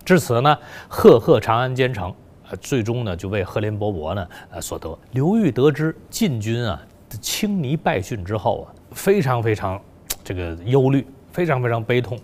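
Lively-pitched male history storyteller. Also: moderate pace. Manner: colloquial, filler-heavy storytelling. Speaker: history lecturer. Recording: long hall reverb.

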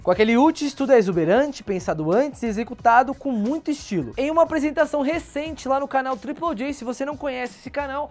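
A young man hosting a music channel, chatting casually and slangily to viewers, with a clip-on mic. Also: extremely high pitch. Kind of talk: casual music explainer video. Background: background music.

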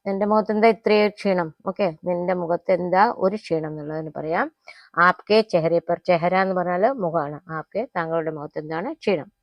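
Low-voiced woman teaching phrases slowly. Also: no echo, dull audio. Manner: repeats phrases slowly, then explains quickly. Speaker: Hindi teacher. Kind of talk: spoken language lesson.

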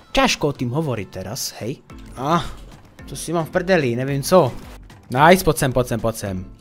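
A man's voice: medium pitch, fairly bright tone. A man giving casual, joking commentary on his own gameplay and talking to viewers as friends. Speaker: gaming YouTuber.

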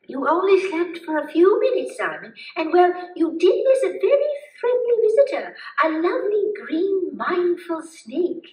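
A woman voicing Eve, a cheerful, chatty woman puppet who gently guides a mindful eating exercise with a lively, storytelling manner. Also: very high voice, unhurried, hardly any pauses, exaggerated voice. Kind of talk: live puppet show acting. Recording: echoey room, mic far off.

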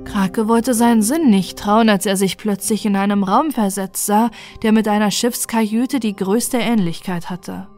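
Medium-pitched woman narrating bedtime fairy tales. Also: measured pace, few pauses, a little mellow, faint music behind. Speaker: audiobook narrator.

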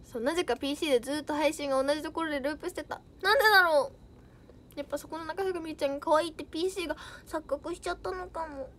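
Bubbly high-voiced young woman streamer. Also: steady tone, rapid-fire, few pauses, a little hiss or hum. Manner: bubbly, giggly, chatty. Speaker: idol livestreamer. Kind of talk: casual livestream chat reading viewer comments.

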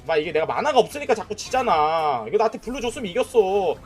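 A man with a high, husky voice and a quick pace streams a mobile game as soft music plays behind him. His live commentary is excitable, full of cheering, shouting at enemies, and trash talk, with frequent "nice" and "that's it."

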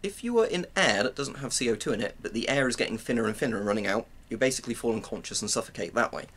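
Talking very fast, a man in his twenties from Britain demonstrates military gear in a casual, rambling way. His mid-range voice is a bit bright with lively intonation, and the noisy recording comes from a small, cluttered room in his home.

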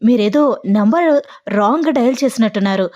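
A man's voice: very high-pitched, lively intonation, normal speed, a little mellow. A woman doing a flustered polite young man. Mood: exasperated. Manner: exasperated, insistently polite. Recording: dull lo-fi audio.

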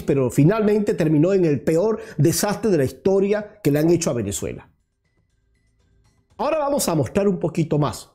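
Combative guy in his 30s, lively swooping voice, mellow tone, firing questions at someone on a lapel mic. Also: high-pitched. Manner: combative, addressing his target directly with rhetorical questions. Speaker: political commentary host. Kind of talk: emphatic political commentary. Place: small studio with virtual set.

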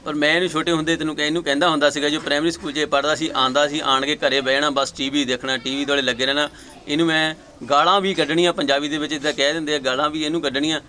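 Sharp-toned and rapid-fire, a fairly high, even-toned voice belongs to a middle-aged Punjabi father from India who relates his young dancer son's story in a repetitive, chatty way, quoting them both. Faint hiss or hum is audible.

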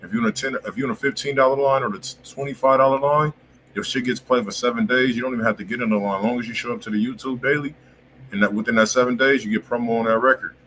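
A man's voice: medium pitch, steady tone, rapid-fire. An American man, around his thirties, hosts a music review live stream with casual, slangy banter. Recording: noisy live-stream room audio.

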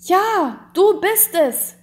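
A woman's voice: very high voice, expressive, very slow, pitched above the performer's own voice, heavily acted. A woman voicing an anguished, remorseful count in a storybook, in an impassioned, pleading, exclamatory manner. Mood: remorseful, overwhelmed. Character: anguished, guilt-stricken count, adult man, horrified and remorseful. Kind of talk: dramatic storybook reading.

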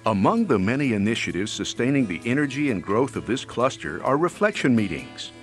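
A man narrates a scripted documentary in a mid-pitched, animated voice. Music runs clearly underneath. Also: brisk. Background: background music.

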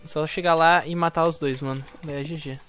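A young man from Brazil chats quickly through a gaming session, his voice sitting high and his words tumbling out. He talks in easy slang and grows quieter and more focused as the match goes on. Faint music and keyboard clatter sit behind him. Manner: slangy, excitable intro then quieter focused play talk. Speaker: gaming YouTuber. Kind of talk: casual gameplay commentary.

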